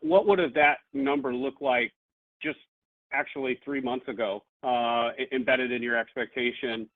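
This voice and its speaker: Halting male analyst on a phone line. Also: medium pitch. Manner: tentative, halting, thinking aloud. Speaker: financial analyst caller. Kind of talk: spontaneous question on an earnings call. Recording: narrow tinny phone line.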